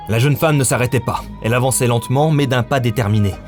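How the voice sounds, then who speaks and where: A man's voice: mid-range voice, quick pace. A male narrator with a mid-range voice tells a scripted adventure story in a dramatic style. Faint music plays underneath him.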